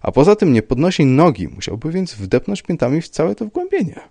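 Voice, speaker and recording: A man voicing a gruff police commissioner who speaks in a dry, curt, dismissive way. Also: on the high side, sing-song, fairly quick, mellow, dry recording, pitched above the performer's own voice, full character voice. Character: gruff, unbothered middle-aged police commissioner.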